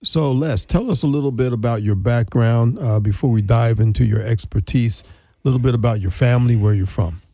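A man's voice: mid-range voice, fairly quick, mellow, dry recording. Man hosting a talk show. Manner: reads announcements and bio from a script. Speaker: host.

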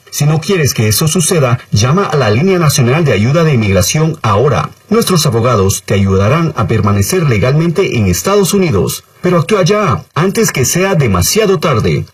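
A man's voice: fairly high pitch, far from the mic. A man reading an urgent radio ad, insistent, who repeats the phone number several times. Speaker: ad announcer.

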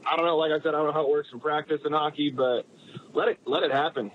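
A man's voice: on the high side, fairly even intonation, racing, narrow, tinny audio, a little hiss or hum. A man calling in to a sports show, hesitant and rambling, with many fillers. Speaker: caller. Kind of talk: phone-in opinion.

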